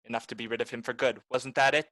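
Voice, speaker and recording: A man's voice: mid-range voice, little pitch movement, fast talker, bright, forceful tone, no echo, natural voice. A man playing a cynical, blunt private detective in the manner of 1940s noir radio drama. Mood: accusing. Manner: blunt, accusing, tough. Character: hard-boiled, cynical male private detective.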